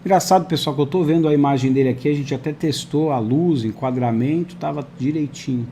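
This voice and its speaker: A man's voice: a little high, quick pace, mellow, slight background noise. A man hosting a live online interview over a video call, chatty and friendly, talking to viewers and his guest. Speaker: host.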